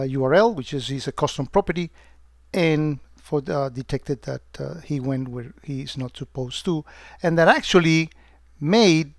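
A man walking through a security software demo on screen, talking loosely with many "uh"s and restarts. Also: fairly high pitch, no room sound, studio quality. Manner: hesitant, many fillers and restarts.

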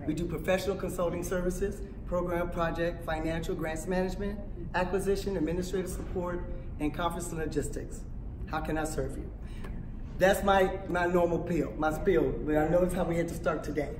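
A raspy-voiced woman, animated and emphatic, telling her story on a panel and laughing often. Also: on the low side, brisk, roomy sound, recorded from a distance, noisy background. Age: 50s. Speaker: panel speaker, veteran author. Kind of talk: conversational storytelling. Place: small indoor room at a conference.

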